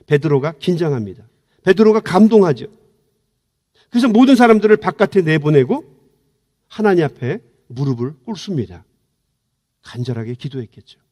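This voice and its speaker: Brief: male pastor, high-set, very lively voice that climbs when he pleads, in a long-echo church sanctuary. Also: normal speed, long pauses. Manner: impassioned preaching, acts out prayers and quotes. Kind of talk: sermon. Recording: long church hall reverb.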